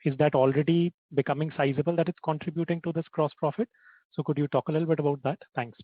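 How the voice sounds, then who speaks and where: A man's voice: fairly high pitch, fairly even intonation, quick pace, no room sound. A man speaking as a financial analyst, putting questions to company management on an earnings call. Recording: dry phone-like call line.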